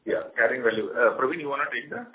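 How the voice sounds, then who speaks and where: A man, a company executive, answering analysts' questions on an earnings call in a measured way, full of "uh" fillers. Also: medium pitch. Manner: measured explaining, many "uh" fillers. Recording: tinny conference-call phone line, faint noise.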